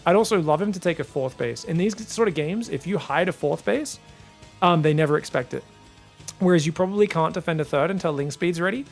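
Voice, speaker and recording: A young man casting a strategy game live. His voice is high for a man with plenty of creak, and he talks casually and excitably to his viewers over music. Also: fairly quick. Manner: animated, informal, addresses viewers as guys. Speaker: esports commentator.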